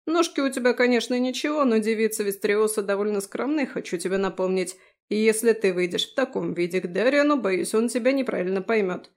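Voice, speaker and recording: A woman's voice: medium pitch, brisk, natural voice. A woman voicing a cheeky, fussy male fairy who teases and scolds, in a fantasy audiobook. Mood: teasing. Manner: teasing, scolding.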